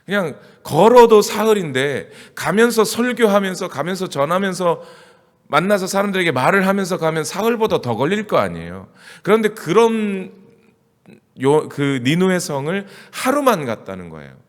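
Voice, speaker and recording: A man's voice: high-pitched, sing-song, moderate pace. A male pastor preaching a sermon in a conversational style, asking his congregation question after question. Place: church sanctuary. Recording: church hall with long reverb.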